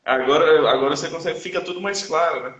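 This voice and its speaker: A man's voice: fairly high pitch, fast, fairly bright tone, muffled recording. Brazilian man teacher in an echoey room. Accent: Brazilian Portuguese. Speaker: guest, teacher. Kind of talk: casual chat. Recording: roomy echo.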